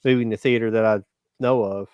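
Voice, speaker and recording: A man's voice: on the low side, steady tone, fast talker, smooth, no echo, muffled recording. A man hosting a casual movie podcast who explains his views at length in a reflective way. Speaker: podcast host.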